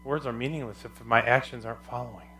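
A male pastor preaching a sermon with a loud, carrying voice and emphatic, repetitive phrasing. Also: mid-range voice, fairly even intonation, fast, a little hiss or hum.

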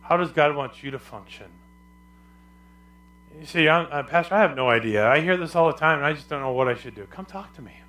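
A male pastor preaching a sermon with a loud, carrying voice and emphatic, repetitive phrasing. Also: a little high, lively intonation, fairly quick.

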